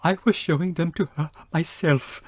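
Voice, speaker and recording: A woman's voice: low-pitched, fairly even intonation, moderate pace, a little mellow, husky. A woman playing a flustered, indignant jewellery shop owner in an old-time radio mystery, agitated and emphatic.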